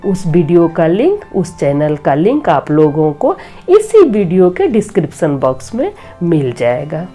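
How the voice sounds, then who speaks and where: Middle-aged woman host, slightly hoarse, low mellow voice, slow earnest preaching, faint music under. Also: very animated. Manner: earnest, preachy, gently advising. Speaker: devotional storyteller and channel host. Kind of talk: moral talk and devotional storytelling.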